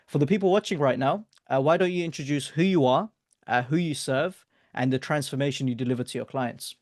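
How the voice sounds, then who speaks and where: A man hosting a client interview, upbeat and quick to laugh as he talks with his guest. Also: mid-range voice, no room sound, studio quality. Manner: upbeat, laughs often, friendly praise. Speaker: interview host, business coach.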